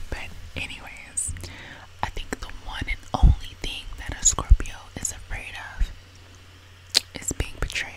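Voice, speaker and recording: Someone whispers at a fairly slow pace with long, frequent pauses over noticeable background noise. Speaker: ASMR creator. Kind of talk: ASMR whispered talk to camera. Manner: whispered.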